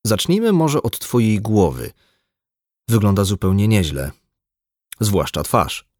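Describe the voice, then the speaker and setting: A man voicing a blunt, embittered, drunk male doctor in an audiobook, gruff and lecturing. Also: fairly low pitch, big pitch swings, a little slow, darkish tone, no room sound, studio quality. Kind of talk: audiobook dialogue.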